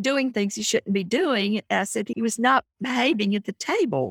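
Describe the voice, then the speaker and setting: A woman speaks with a fairly high pitch and vocal fry at a moderate pace. The sound is dry and close, with no echo. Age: 70s. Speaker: retired teacher. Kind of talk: casual chat.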